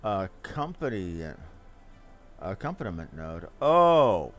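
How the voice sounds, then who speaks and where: A man's voice: lowish voice, sing-song, slow, fairly bright tone, faint music behind. A man streams a game with casual, conversational commentary. He talks directly to his viewers in an informal, unscripted way.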